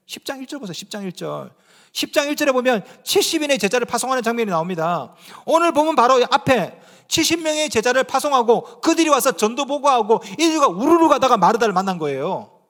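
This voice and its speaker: In a large hall, a male pastor with a very high voice preaches a sermon in church. He poses questions to the congregation, moving between loud, emphatic lines and hushed, near-whispered ones.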